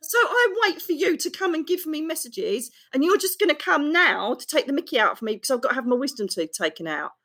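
A middle-aged woman who is an author, telling her personal story in an interview in a frank, expressive way that runs on quickly. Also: sits high. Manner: emotional, expressive, fast-running storytelling. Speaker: guest author.

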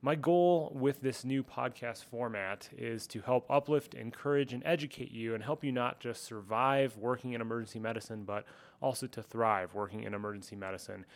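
Gravelly man hosting a podcast. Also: mid-range voice, moderate pace. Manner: earnest, with filler ums. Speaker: podcast host. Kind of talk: podcast intro and disclaimer.

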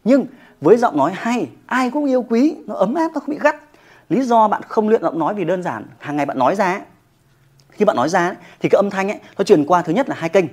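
Yoga trainer; motivational to-camera talk, fast delivery, emphatic. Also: medium pitch, lively intonation, a little mellow. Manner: emphatic, with frequent rhetorical check-ins.

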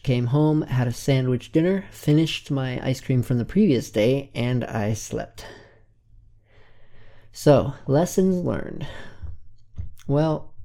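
Congested man in his twenties, gravelly. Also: medium pitch, mellow. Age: 20s. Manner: earnest, plain day-by-day recounting. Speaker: podcast host. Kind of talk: casual weekly self-recorded update.

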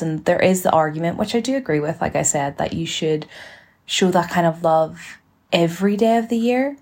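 A woman in her twenties hosting a casual solo podcast, chatty and rambling in an informal, relaxed way. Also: low-pitched. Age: 20s. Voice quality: relaxed, slightly husky. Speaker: podcast host.

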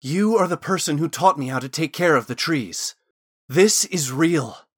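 A man's voice: medium pitch, normal speed, a bit bright, close to an everyday voice. A man playing an earnest, desperate cursed man in a fantasy audiobook, pleading urgently in formal wording.

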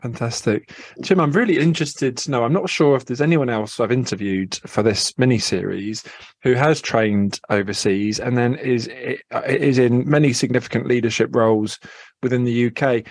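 A man's voice: medium pitch, normal speed, a little mellow, dry recording. Man hosting a podcast. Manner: friendly, hesitant with fillers and restarts. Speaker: podcast host. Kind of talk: podcast interview.

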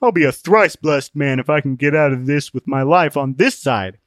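A man's voice: on the high side, normal speed, no echo, clean studio sound, close to an everyday voice. A man acting a gloomy, pompous, fretful traveler. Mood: anxious complaint. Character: pompous, fearful, gloomy male traveling companion.

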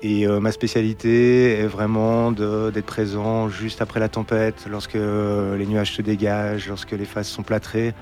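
A man from Belgium in his thirties, a mountain photographer talking in a relaxed podcast interview, hesitant with many fillers and restarts. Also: lowish voice, a little slow, hardly any pauses, faint music behind.

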